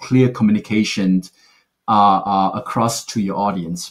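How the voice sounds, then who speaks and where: At a fairly slow pace, a man talks with a Singaporean accent. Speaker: tech product manager. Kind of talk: presentation. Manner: frequent fillers, uh and right.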